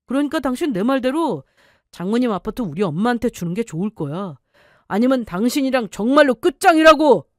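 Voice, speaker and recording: A woman's voice: on the high side, darkish tone, no room sound, clean studio sound, natural voice. A woman voicing a scheming, threatening middle-aged husband in an audio story. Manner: bullying, threatening, defensive.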